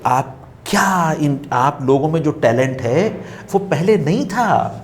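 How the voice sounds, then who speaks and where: A man with a slightly high-pitched voice talks as a guest on a talk show, unhurried and reflective. He repeats phrases for emphasis and slips in lines of poetry. A faint hum sits under his voice. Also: animated. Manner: quotes couplets while explaining.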